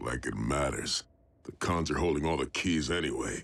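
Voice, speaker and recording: This is a cartoonish character voice. It moves at a moderate pace. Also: man, very deep, low pitch for a man. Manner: blunt, casual.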